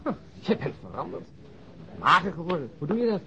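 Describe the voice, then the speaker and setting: A man's voice: a little high, big pitch swings, brisk, crowd noise. A man playing a grumbling, sardonic middle-aged police detective in a radio drama, bantering. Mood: frank. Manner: sardonic, bantering, food-loving. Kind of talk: Dutch radio drama dialogue. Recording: dull lo-fi radio drama recording.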